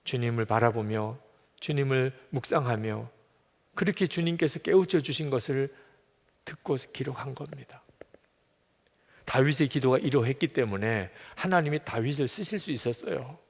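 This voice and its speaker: A man's voice: mid-range voice, normal speed. A middle-aged man preaching a sermon as pastor, earnest, voicing God's words in quotes and sometimes dropping to a whisper. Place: church sanctuary. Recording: long hall reverb.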